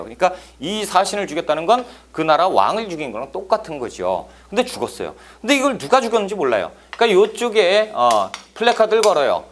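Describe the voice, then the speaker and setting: A man teaching a history exam course in a playful lecture, telling jokes and adding sound effects. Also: fairly high pitch. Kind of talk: lively lecture with acted-out scenes.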